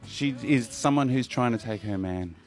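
A man with a low voice, chatting enthusiastically and rambling a little as a guest in a radio studio. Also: moderate pace, faint music behind. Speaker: radio presenter and guest musician. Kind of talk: casual radio chat.

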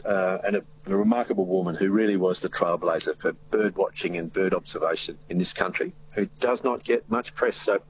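A man's voice: sits low, fairly quick, hardly any pauses, a little hiss or hum, low-quality recording. A man with an Australian accent chatting on air as a radio presenter, rambling and self-deprecating. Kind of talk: casual on-air chat.

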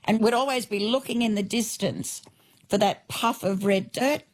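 A woman's voice: fairly high pitch, normal speed. A woman in her sixties with an Australian accent, a guest in a radio interview, telling vivid stories from her life. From New South Wales, Australia. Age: 60s. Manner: warm storytelling, vivid lists, some restarts. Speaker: author and guest.

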